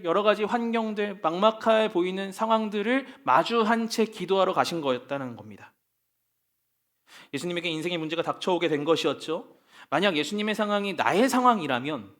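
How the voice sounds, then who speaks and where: Animated, higher-pitched male pastor preaching. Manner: conversational preaching with rhetorical questions. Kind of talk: sermon. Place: church.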